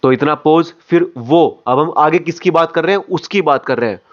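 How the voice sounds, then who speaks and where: A man's voice: fairly high pitch, moderate pace, dull audio. A man coaching acting, explaining phrase by phrase and repeating words for emphasis. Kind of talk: explanatory lesson on voice modulation.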